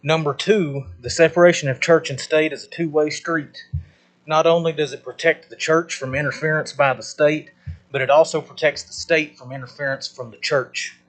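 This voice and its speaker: A man giving a prepared public statement at a meeting, measured and formal as he lists his points one by one. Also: a little high, fairly even intonation, poor audio. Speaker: public commenter at a school board meeting.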